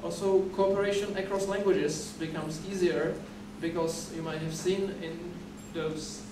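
At a measured pace and with fairly even intonation, a young man with a high-sitting voice gives a conference presentation at a podium. Born in the Czech Republic with Czech as his first language, he tends to repeat words and restart while explaining. The dim lecture hall sounds echoey and noisy, recorded from afar by a camera off the podium mic.

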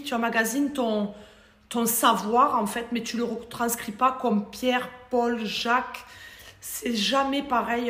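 A French woman with a fairly high voice chats about her hairdressing work in a relaxed, casual interview. She's animated and laughs easily, and her voice echoes in a roomy space.

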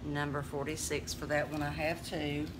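A woman in her fifties, a little hoarse, chatting to viewers as she shows jewelry pieces and reads out their numbers. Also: low-pitched, completely flat delivery, moderate pace. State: losing her voice. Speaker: jewelry seller on a live stream. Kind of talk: casual live selling chat. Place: small home room with a jewelry display wall. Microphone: phone camera close up. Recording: noisy phone live stream.

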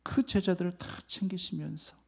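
Animated male pastor preaching. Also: high voice, moderate pace, vocal fry. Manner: lively, dramatizing scenes with acted-out quotes and asides to the congregation. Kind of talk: sermon.

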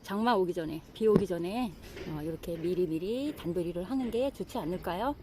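A middle-aged woman chatting casually as she walks through her outdoor flower garden, admiring the plants with many soft fillers. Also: on the low side, animated, fairly quick, noisy background. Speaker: gardening vlogger.

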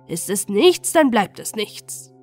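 A woman voicing a mysterious old grey little man from a fairy tale, speaking slowly and measuredly. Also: mid-range voice, sing-song, darkish tone, slightly rough, faint music behind, exaggerated voice.

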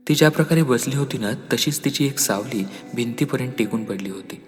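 A man telling an emotional first-person story as narrator, dropping to a hushed low voice and rising to loud, tearful emphasis. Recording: long reverb with soft music behind.

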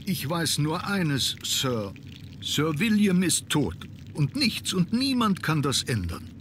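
A man's voice: on the high side, sing-song, takes it slowly, a bit bright, slight background noise, full character voice. A man playing a reserved, weary butler in an adventure game, formal, deferential and resigned. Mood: resigned, dismissive. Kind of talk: scripted adventure game dialogue.

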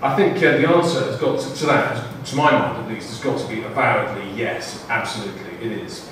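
A man giving a halting panel talk with many fillers and restarts, in a lecture room before an audience. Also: mid-range voice. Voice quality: loud voice. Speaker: panel speaker. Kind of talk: halting public talk from notes. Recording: echoey room, far mic, faint noise.

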